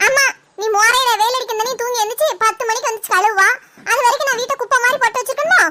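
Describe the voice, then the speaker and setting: A woman plays a sharp-tongued mother-in-law who nags in a very high, bright voice. She talks fast and runs from mockery into loud self-pitying wails. It is a comic family skit. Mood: scolding.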